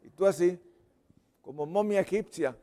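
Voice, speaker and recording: A man's voice: sits high, moderate pace. A man with a Mexican accent preaching a sermon as a pastor, playfully acting out sounds and voices and dropping at times to a whisper. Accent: Mexican Spanish. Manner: playful, acts out sounds and voices with sudden loud and whispered bits. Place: church service.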